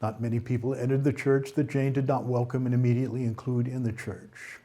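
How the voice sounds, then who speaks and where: A man anchoring a local news roundup, reading stories in a steady way with occasional slips and self-corrections. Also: medium pitch, fairly quick.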